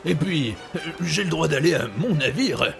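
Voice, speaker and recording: A man's voice: a little high, animated, moderate pace, vocal fry. A man playing a boastful, scheming, hapless sea captain in a pirate comedy audio drama, theatrical and hesitant as he bluffs. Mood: defensive, boastful. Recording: music behind the voice.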